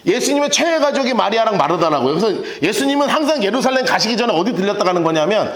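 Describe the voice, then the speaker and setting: A man preaching a casual, playful sermon as pastor, acting out the people in his stories with quick little voices. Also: high-pitched, very animated, fairly bright tone, echoey room. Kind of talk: lively sermon. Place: church sanctuary.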